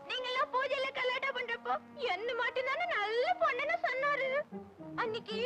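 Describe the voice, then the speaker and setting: A heartbroken young village girl, speaking tearfully and pleadingly in a very high voice with a Tamil accent. Loud film music plays under her lines.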